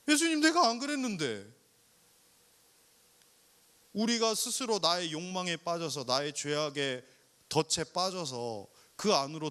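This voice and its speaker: A man preaching in church with a lively, swinging delivery that leaps up for questions and drops low for the point. His voice sits a little high for a man. He acts out the prayers and complaints of his listeners. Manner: animated preaching with rhetorical questions and acted-out prayers. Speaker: pastor. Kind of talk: sermon to a young adults service. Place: church worship service.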